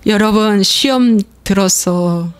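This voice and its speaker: A woman's voice: medium pitch, slow pace. A woman pastor preaching a sermon with emphasis, repeating key phrases and acting out the voices of complaining believers.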